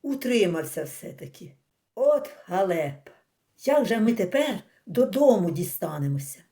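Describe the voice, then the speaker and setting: A fussy, frightened old fisherman, as a woman reads him in an audiobook. He shouts and rambles in a strained, raised voice with a dark tone. His pitch jumps around a lot. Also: big pitch swings, measured pace. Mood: rambling. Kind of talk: audiobook character voice.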